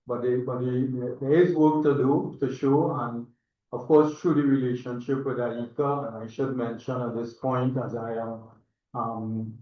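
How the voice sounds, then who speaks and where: A man's voice: medium pitch, steady tone, unhurried, a little hiss or hum. A distant, echoey and slightly dull recording of an older Trinidadian man presenting to an online meeting. His mid-range voice wanders reflectively through informal remarks, with a hesitant delivery. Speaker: agronomist and institute chairman, presenter.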